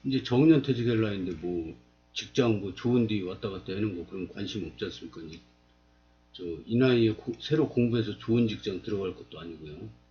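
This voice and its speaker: A man's voice: on the low side, fairly quick, dull audio, slight background noise. A man in his fifties talking casually on his own channel, explaining a local area while pointing things out on a map and asking himself rhetorical questions. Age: 50s. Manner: plain, steady, asks rhetorical questions. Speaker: video blogger.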